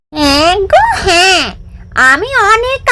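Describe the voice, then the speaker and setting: A cartoonish character voice at a very slow pace with lively intonation. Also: woman. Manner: sweet on the surface, scheming underneath.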